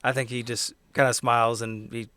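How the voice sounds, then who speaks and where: Halting male podcast co-host, dry sound. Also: medium pitch, level tone, bright, forceful tone, smooth, no room sound. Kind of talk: casual podcast talk.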